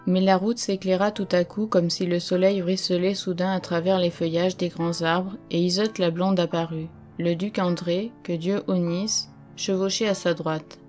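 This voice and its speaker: A woman reading an audiobook as narrator, in a measured, solemn storytelling manner. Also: lowish voice, little pitch movement, darkish tone, faint music behind. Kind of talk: scripted narration.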